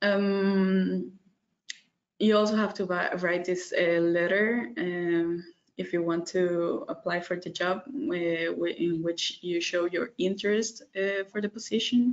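A woman speaks with a Spanish accent. Her pace is very slow, with ordinary pitch variation. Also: medium pitch for a woman. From Costa Rica. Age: 30s. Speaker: media studies student and institute worker. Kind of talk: webinar interview. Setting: video call. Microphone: video call.

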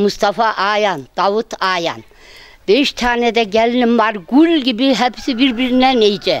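In a rural Central Anatolian accent, a woman speaks very slowly at a fairly high pitch with ordinary pitch variation, the sound dry with no echo. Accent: rural Central Anatolian Turkish. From Turkey, Yozgat village. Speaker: villager. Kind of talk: street interview. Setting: outdoors. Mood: complaining, pleading. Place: street. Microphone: handheld.

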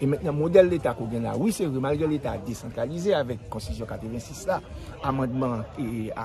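The man's pitch swings very widely as he speaks. The sound is dry with no echo, over light background noise. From Haiti. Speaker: university professor. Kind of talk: press statement. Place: open country. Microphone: handheld.

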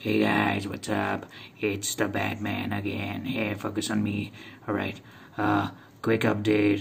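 Over light background noise, a man puts on a raspy character voice with fairly low pitch, talking at a fairly slow pace. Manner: cocky, casual, then alarmed.

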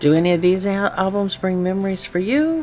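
A woman speaks with clear music in the background. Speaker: collector vlogger. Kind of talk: casual vlog chat. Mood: cheerful, excited. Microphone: webcam.

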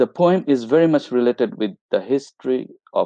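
With a Bengali accent, a man speaks at a moderate pace in a dark, mellow tone with ordinary pitch variation, the sound dry with no echo over a quiet background. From Bangladesh. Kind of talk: reading group discussion. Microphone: video call.

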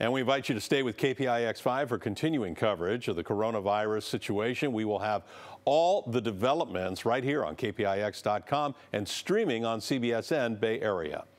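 A man speaks in a normal speaking voice at a medium pitch, with ordinary pitch variation. His moderate pace runs with hardly any pauses. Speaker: news anchor. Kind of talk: television news reading. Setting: TV studio. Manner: measured, steady newsreader cadence; looser, conversational with fillers when ad-libbing.

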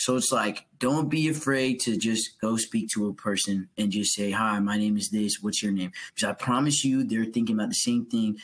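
With an American accent, a man speaks at a moderate pace with very even loudness, ordinary pitch variation and hardly any pauses. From US South. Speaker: college student; panelist. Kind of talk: panel discussion. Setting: video call. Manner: halting. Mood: warm, encouraging. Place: home room.

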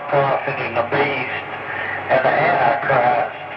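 Loud background noise behind a man talking at a fairly slow pace. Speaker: preacher. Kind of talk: radio sermon. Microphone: two way radio.

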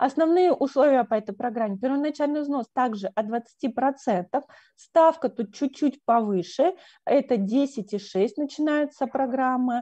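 A woman speaks very slowly in a high, dark and mellow voice with ordinary pitch variation, recorded dry and close with no echo against a quiet background. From Saint Petersburg, Russia. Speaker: mortgage broker and coach. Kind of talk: professional masterclass presentation. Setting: online live stream.

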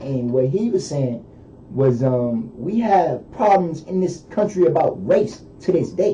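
The speaker goes at a fairly slow pace, with light background noise behind. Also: man. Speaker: college athlete and radio co-host; radio co-host. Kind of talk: casual chat. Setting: studio. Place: studio.

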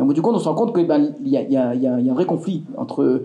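The pitch swings very widely at a fairly quick pace. The background is quiet. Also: man. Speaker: rabbi. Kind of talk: lecture. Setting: stage with audience. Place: cafe.

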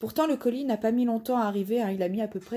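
Over a quiet background, a woman talks in a dark, mellow tone with ordinary pitch variation. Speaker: crafts hobby vlogger. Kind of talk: casual unboxing chat. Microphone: phone near.

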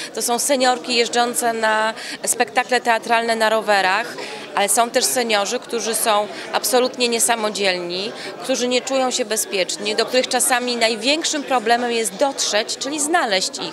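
A woman talks at a moderate pace. Music can be heard in the background. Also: ordinary pitch variation. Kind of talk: interview answer. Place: hall. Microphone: handheld.

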